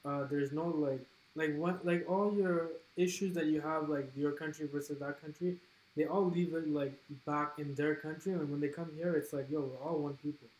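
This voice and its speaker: A man's voice: fairly high pitch, fairly even intonation, moderate pace, a little mellow, rough recording. A man, a podcast co-host chatting casually in a laid-back, slangy way and swearing. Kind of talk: casual chat.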